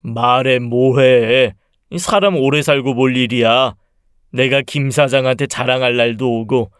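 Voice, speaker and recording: Proud, gruff older father, read by a man, clear and close in a story reading. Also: mid-range voice, fairly even intonation, unhurried, no echo, close to an everyday voice. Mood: boastful.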